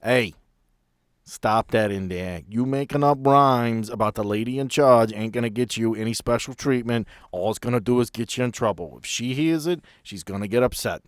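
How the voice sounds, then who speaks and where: A man voicing a gruff, wary sanatorium guard who talks in a folksy, grudging way in a tabletop game. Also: medium pitch, moderate pace, dry recording, studio quality, natural voice. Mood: stern warning. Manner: folksy, colloquial, grumbling.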